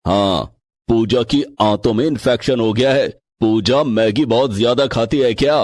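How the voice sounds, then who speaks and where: A serious, grave doctor, voiced by a man in a cartoon, giving instructions. The voice is husky and medium in pitch. It is recorded close and dry. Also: normal speed, darkish tone, no echo, natural voice.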